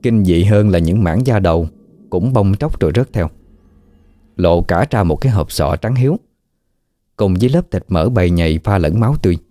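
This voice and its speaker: A man with a Southern Vietnamese accent narrating a ghost story in a measured way. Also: low voice, lively intonation, mellow, dry recording. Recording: dry close mic with faint music.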